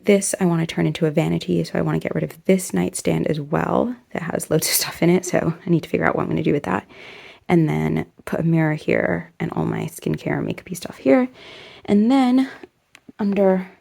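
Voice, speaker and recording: A young woman talks through her room makeover in a relaxed, rambling vlog voice, often stopping to correct herself. Her voice is lowish and gravelly with fry. She is picked up by a camera set back across a bedroom. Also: fairly quick, far from the mic. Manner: rambling, self-correcting, talks while tidying. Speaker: vlogger. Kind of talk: casual chatty vlog narration.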